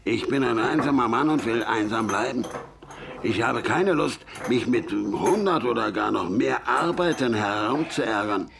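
An actor playing a gruff, stubborn, solitary old gunsmith in a radio play, speaking in curt, grumbling sentences. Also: male voice, medium pitch, animated, measured pace, noisy background. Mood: grumpy, dismissive. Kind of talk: German radio play acting.

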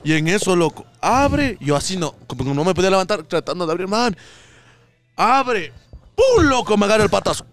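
A man's voice: high voice, sing-song, rapid-fire, hardly any pauses. A young man with an Ecuadorian accent, telling a comic story in a casual podcast chat with vivid sound effects. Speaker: podcast co-host.

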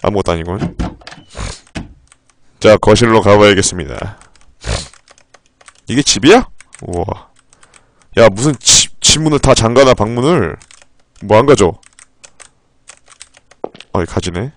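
Profane, excitable game streamer, lively pitch. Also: male voice, measured pace, pauses often, no echo. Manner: profane, with sudden loud outbursts; reads in-game text aloud in a low flat voice. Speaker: live streamer. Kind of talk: live-streamed game playthrough.

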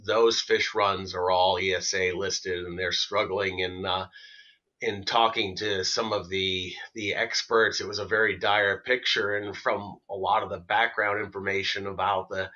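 A man talking casually as a podcast guest, soft-spoken and halting, with many fillers. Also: low-pitched, muffled recording. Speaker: guest musician and writer.

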